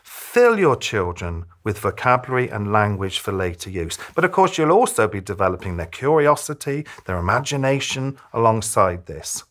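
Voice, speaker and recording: A man in his fifties giving advice to camera as a children's author, speaking emphatically like a storyteller, with deliberate pauses. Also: on the low side, sing-song, fairly bright tone. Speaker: children's author giving reading tips to parents. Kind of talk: direct-to-camera advice talk, presentational. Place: small furnished room, indoors.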